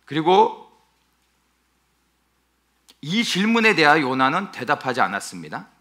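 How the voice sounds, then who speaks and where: Animated, bright-voiced male pastor preaching. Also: fairly high pitch, unhurried. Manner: animated, emphatic, asks the congregation rhetorical questions. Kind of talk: expository sermon.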